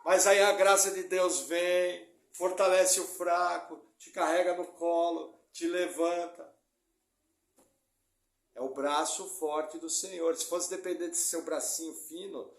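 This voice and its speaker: A male pastor delivers a lively sermon, slipping into jokes and acted-out quotes from his congregation. His voice sits high for a man. The sound rings around a roomy church hall. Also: unhurried, creaky. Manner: lively, joking preaching with mimicked congregation quotes.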